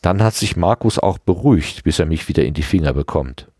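A man reading aloud and voicing a gentle, apologetic young woman in a raised voice. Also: low voice, lively intonation, brisk, no echo, clean studio sound.

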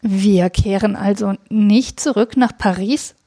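A woman voicing a calm, formally deferential young male servant in a read-aloud story. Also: mid-range voice, slow pace.

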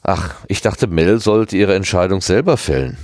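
A man reading aloud, voicing a sharp-tongued, scheming teenage schoolgirl with a lightly raised voice. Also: low-pitched, animated, moderate pace, no echo, clean studio sound.

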